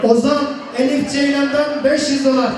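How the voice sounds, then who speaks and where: A man working as a wedding announcer, booming out announcements and names to the guests at a live event. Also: little pitch movement, moderate pace. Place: large echoing wedding venue. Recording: echoey hall, distant, music and crowd. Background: music and a crowd of guests.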